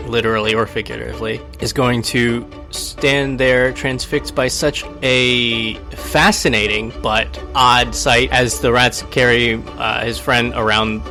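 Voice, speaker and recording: A man's voice: mid-range voice, fairly even intonation, measured pace, few pauses, bright, forceful tone, soft background music. A man playing a tabletop game, describing his character's actions in a hesitant, improvised, descriptive way.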